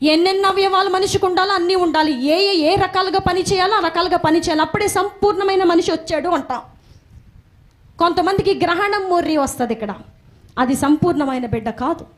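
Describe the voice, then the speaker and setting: A woman's voice: extremely high pitch, a little fast. A woman preaching a sermon emphatically, repeating phrases for stress.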